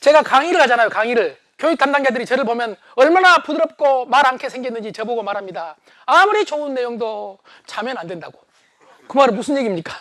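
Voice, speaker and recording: Middle-aged man, high voice, lively humorous lecturer, dry close sound. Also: fast talker, no room sound. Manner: animated, shouting for emphasis.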